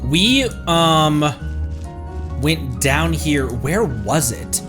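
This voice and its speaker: Animated man streaming a game. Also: a little high. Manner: animated, halting, exclaims often. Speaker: livestreamer, VTuber. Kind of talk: casual gameplay commentary. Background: game music.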